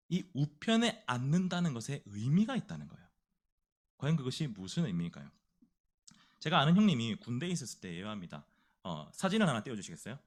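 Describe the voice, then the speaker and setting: A man preaching a sermon in a church, telling a story with lively energy and putting questions to the congregation. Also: on the high side.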